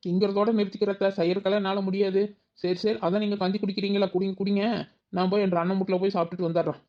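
A woman's voice: medium pitch, little pitch movement, rapid-fire, muffled recording, lightly acted. Woman doing a cheeky lazy cartoon daughter-in-law. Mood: sly excuses. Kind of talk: village cartoon comedy acting.

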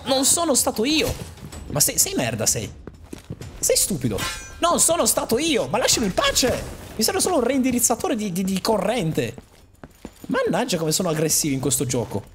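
Un uomo che commenta una partita a un videogioco con tono scherzoso e agitato, parlando ai personaggi del gioco. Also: male voice, extremely high pitch, moderate pace, faint music behind. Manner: animated, jokey, talks to the game characters. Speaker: gaming YouTuber. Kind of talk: excited gameplay commentary.

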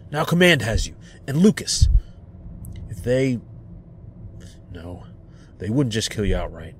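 A man's voice: lowish voice, sing-song, a little slow, a little hiss or hum. A man playing a tough, blunt, protective federal agent in an audio drama, with a terse delivery. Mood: anguished. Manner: terse, curt.

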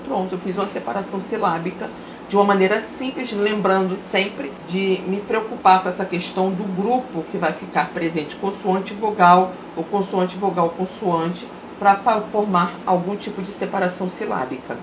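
A woman teaching a grammar lesson, sounding out example words slowly and deliberately. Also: mid-range voice, fairly even intonation. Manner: slow, drawn-out pronunciation of example words. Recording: roomy, dull lo-fi recording with faint hiss.

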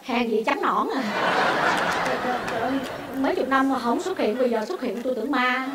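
An actress with a Southern Vietnamese accent playing a bossy, teasing village woman in a stage comedy sketch, scolding quickly and stammering for laughs. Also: sits high, animated. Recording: loud live crowd and noise.

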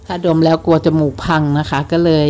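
A woman hosting a gardening channel, talking through rose varieties in a chatty, polite way and softening nearly every phrase. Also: deep voice, level tone, fairly quick. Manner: chatty, polite, ends phrases with soft particles. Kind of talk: informal narrated rose guide.

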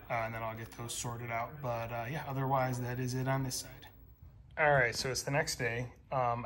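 A man's voice: medium pitch, a bit bright, a little hiss or hum. A man narrating his car build in a casual work vlog, matter-of-fact and full of ums and uhs, filmed on a phone in his garage. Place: home garage.

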